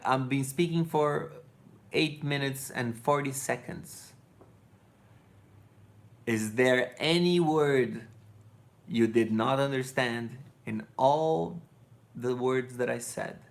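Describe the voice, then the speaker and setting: A man in his thirties with a Brazilian accent, sleepy and rambling loosely as he answers chat on a live stream from his living room. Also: medium pitch. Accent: Brazilian Portuguese. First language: Portuguese. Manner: loose, digressive, self-correcting, blunt. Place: living room with couch and colored lights.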